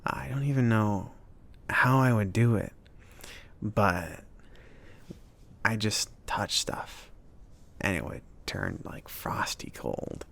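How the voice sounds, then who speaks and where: Man playing a gravelly, slow-talking friendly shop mage. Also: lowish voice, very animated, fairly bright tone, full character voice. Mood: sheepish, reminiscing. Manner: rambling, hesitant, reassuring, with nervous chuckles. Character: friendly awkward male mage running a small-town magic shop. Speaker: ASMR roleplay performer. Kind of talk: soft-spoken improvised ASMR roleplay.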